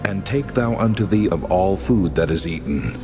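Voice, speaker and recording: A man playing God as a mighty deity, speaking solemn, measured commands in a dramatized scripture reading. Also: low voice, lively intonation. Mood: solemn, commanding. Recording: long hall reverb, music underneath. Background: music.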